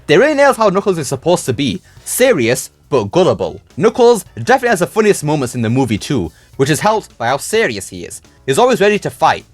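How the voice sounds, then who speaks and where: Lively, higher-pitched man reviewing films. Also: dry recording. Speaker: video reviewer, channel host. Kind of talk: conversational scripted film review commentary.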